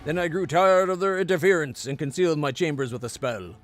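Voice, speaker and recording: An arrogant undead lich from a fantasy game, as a man acts him out, sneering and gloating over lesser mortals. The voice is male, haughty and a little high, with faint music underneath. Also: fairly quick, dry recording, lightly acted. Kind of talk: reading game dialogue aloud in character.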